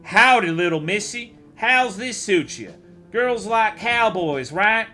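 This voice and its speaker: A menacing tentacled plant monster that collects souls, as a man puts it on. The voice drawls slowly in a folksy cowboy manner, raised in pitch and pushed loud. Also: animated, faint music behind, exaggerated voice. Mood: coaxing. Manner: slow, drawling put-on cowboy talk, grandly menacing.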